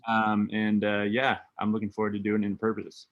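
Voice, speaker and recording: A man's voice: on the low side, monotone, fairly quick, muffled recording. A man who acts in a table read, chatting casually with the group. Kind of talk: casual chat.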